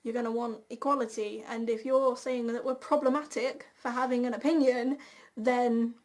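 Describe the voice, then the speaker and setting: A young woman speaks in a fairly high voice. She co-hosts a casual chat, explaining her opinions in everyday conversational language. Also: steady tone, moderate pace, a little mellow. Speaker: co-host.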